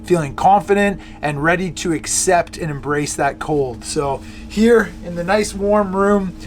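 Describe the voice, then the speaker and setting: A man presents a vlog, talking casually to camera while hesitating and correcting himself as he goes. His voice is high and a little slow, with music playing behind it.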